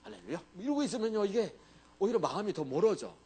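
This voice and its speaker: A man's voice: fairly high pitch, very animated, a little fast, husky. A male pastor preaching a sermon in a conversational way, often asking the congregation to agree with him.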